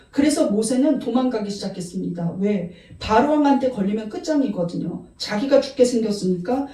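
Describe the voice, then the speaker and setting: High-voiced woman preaching in an echoey church. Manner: animated storytelling, acting out quoted lines. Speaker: pastor. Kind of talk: sermon. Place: church sanctuary. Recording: echoey church hall, mic at a distance.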